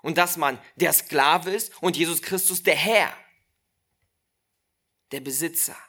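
With a mid-range voice that sounds pushed and bright, a preacher delivers a slow, emphatic sermon. He repeats key phrases and speaks directly to his listeners.

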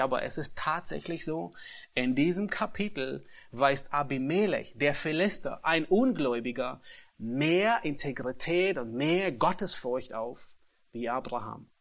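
A man preaching a sermon and reading scripture, stressing key phrases slowly and repeating words as he searches for them. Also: on the high side, a bit bright. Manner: emphatic, slows and rises on key phrases. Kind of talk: expository sermon.

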